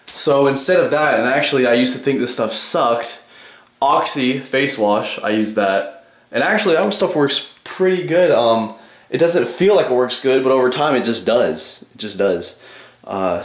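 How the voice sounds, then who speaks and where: A man's voice: medium pitch, normal speed, reverberant. A man in his twenties chatting casually and offhandedly to viewers in a rambling vlog, recorded on a handheld camcorder in a small bathroom. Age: 20s. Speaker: bodybuilding vlogger. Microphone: handheld camcorder at arm's length.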